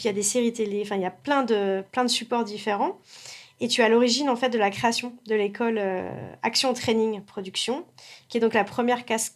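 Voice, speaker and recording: A woman hosting an interview podcast, chatting casually with many fillers and speaking straight to the listener. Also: a little high. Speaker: podcast host.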